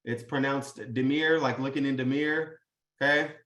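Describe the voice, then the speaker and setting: A fired-up man talks over a video call, loose and profane, calling everyone dude and bro. His voice sits a bit high for a man. The room around him is echoey and bare. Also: moderate pace, a bit bright. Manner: hyped, profane, full of slang and fillers. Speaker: host. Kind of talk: casual motivational talk on a live video call.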